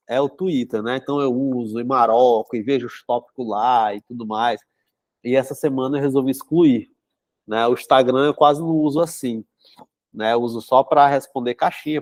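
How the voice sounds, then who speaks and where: A man's voice: medium pitch, a little mellow, dry recording. A young man, congested with a cold, hosting a book club in a chatty, casual way and often adding "né?". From São Luís, Brazil. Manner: chatty, filler-heavy, frequent "né?". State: congested with a cold, runny nose. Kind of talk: casual live-stream talk and reading aloud.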